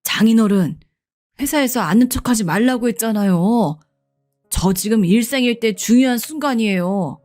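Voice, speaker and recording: A woman's voice: a little high, moderate pace, a little mellow, natural voice. A woman voicing an arrogant young male team leader who whispers in irritation, over faint background music. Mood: annoyed.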